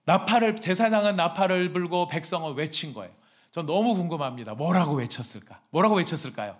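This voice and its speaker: A Korean pastor preaching a sermon, asking the congregation questions and reading scripture slowly and loudly, with emphatic shouted lines. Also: male voice, a little high.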